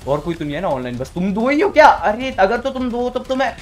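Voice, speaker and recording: A man giving live commentary while playing a game, excitable and repeating his words in quick bursts. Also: high voice. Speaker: gamer streamer.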